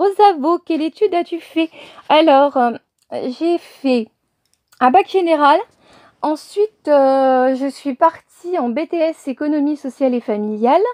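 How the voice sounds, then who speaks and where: Lively intonation runs through a woman's high voice at a very slow pace. She leaves long, frequent pauses. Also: dry, close sound with no echo. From Burgundy, France. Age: 40s. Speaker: YouTuber, former teacher. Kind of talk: Q&A vlog. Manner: hesitant, many fillers.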